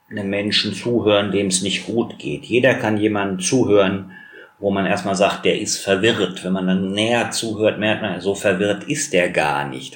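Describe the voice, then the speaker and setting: A man's voice: sits low, a little hiss or hum. A man who speaks for a patient advocacy group, answering in an interview in a conversational way, often ending points with a tag question. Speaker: patient advocacy board member. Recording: roomy echo.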